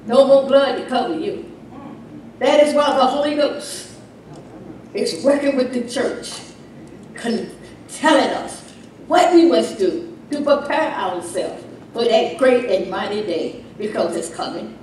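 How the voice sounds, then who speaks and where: A woman's voice: a little high, expressive, a little slow, darkish tone, slight background noise. A woman preaching a fiery sermon like a doomsday preacher, warning of judgment with emphatic repetition and rhetorical questions. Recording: very echoey room, distant microphone.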